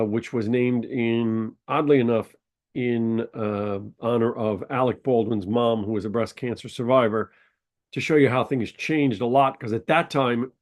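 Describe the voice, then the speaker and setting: A man's voice: medium pitch, darkish tone. A man hosting a podcast, his voice nasal and congested from a sinus infection, telling a story in a rambling, casual way with frequent ums and uhs. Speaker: podcast host.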